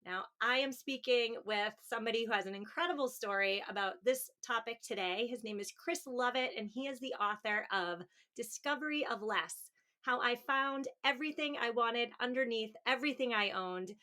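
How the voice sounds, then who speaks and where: A woman's voice: on the high side, normal speed, sharp tone. An American woman hosting a podcast, speaking in an upbeat, chatty interview style. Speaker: podcast host.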